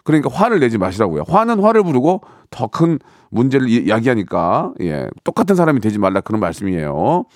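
A man's voice: mid-range voice, big pitch swings, a little fast, few pauses, darkish tone, no echo, clean studio sound. A middle-aged man hosting a radio talk show, chatting playfully in a repetitive, joking way and reading out listeners' messages. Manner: chatty, playful, repetitive, slips into mock voices and sung bits. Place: radio studio. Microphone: studio microphone.

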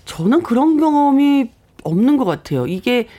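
A woman's voice: high voice, big pitch swings, normal speed, mellow. A woman from Gangwon, co-hosting a radio show in casual chat, who imitates voices when telling stories. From Gangwon, Korea. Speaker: radio co-host.

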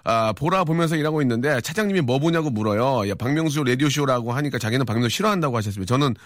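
A middle-aged man hosting a live radio show, reading listener texts with quick, teasing banter and lots of fillers. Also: mid-range voice, animated, no room sound, clean studio sound. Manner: fast, joking, teasing banter with frequent fillers. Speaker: radio host. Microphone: studio microphone.

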